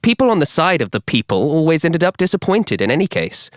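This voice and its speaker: A man reading scripted narration as a professional voiceover artist, measured and clearly articulated. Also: on the high side, sing-song, no echo, studio quality. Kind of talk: scripted narration for audiobook, documentary and adverts.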